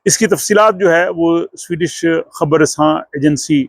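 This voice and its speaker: A man's voice: fairly high pitch, vocal fry, no room sound. A man hosts an informational news vlog, explaining things to viewers with frequent filler phrases and hesitations. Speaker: vlog host.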